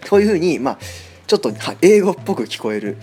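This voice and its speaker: A man talks quickly on his own podcast, his pitch jumping up and down as he chats. He fills his sentences with little fillers and pauses. Faint music plays behind him. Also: slightly rough. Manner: chatty, many fillers, lively rising and falling pitch. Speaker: podcast host. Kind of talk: casual solo podcast talk.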